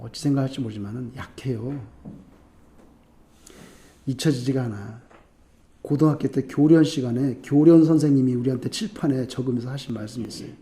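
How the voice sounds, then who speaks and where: A middle-aged man preaching a sermon as pastor, with animated delivery that swings from soft asides to loud emphatic outbursts. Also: medium pitch. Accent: Korean.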